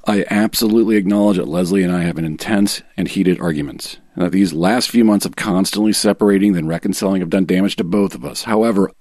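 A man voicing an aggrieved husband in a dramatic reading of a sworn legal statement, measured, formal and self-righteous. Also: deep voice, darkish tone, no echo, studio quality.

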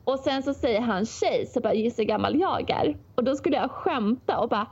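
A woman telling a story in casual chat, acting out what people said in an animated way. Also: on the high side, slightly rough. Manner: animated storyteller, acts out quotes. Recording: dull lo-fi sound.

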